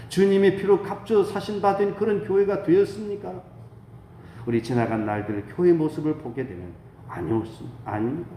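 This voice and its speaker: A man's voice: medium pitch, warm tone. A man preaching a sermon as a pastor, fervent and exhortatory, posing rhetorical questions and answering them himself. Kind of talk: dawn prayer sermon. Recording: echoey room with faint background noise.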